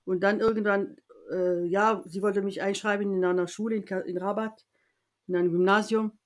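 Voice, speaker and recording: A woman from France, interviewed, tells a personal story in a lively way, acting out the voices of the people she quotes and often restarting her sentences. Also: medium pitch, moderate pace.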